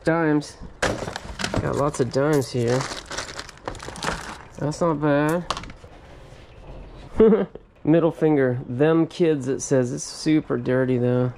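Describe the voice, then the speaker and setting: A man's voice: a little high, slow pace, long pauses, mellow, a little hiss or hum. Man musing over a storage locker find. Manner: musing aloud, lots of hmms and little laughs. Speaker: storage locker reseller host. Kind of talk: casual unboxing commentary. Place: cluttered metal storage unit.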